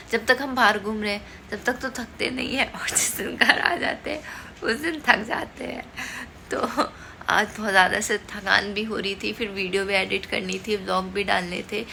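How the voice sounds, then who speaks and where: A woman's voice: mid-range voice, vocal fry, sharp tone, a little hiss or hum. Chatty young woman with a sore throat. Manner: chatty, rambling, many fillers. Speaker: family vlogger. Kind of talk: casual home vlog chat.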